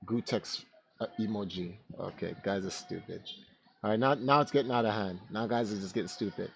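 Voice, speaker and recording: A man's voice: fairly low pitch, fairly quick, creaky, a little hiss or hum. A man hosting a casual livestream chat, giving advice in a slangy, laid-back way. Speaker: stream host.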